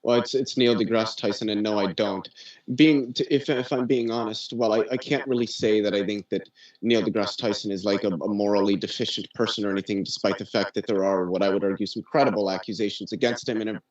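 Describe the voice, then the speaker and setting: A man's voice: fairly low pitch, steady tone, a little fast. Hesitant man with dull, lo-fi sound. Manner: hesitant, careful, repeats words. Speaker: debater. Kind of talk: debate commentary. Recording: dull lo-fi audio.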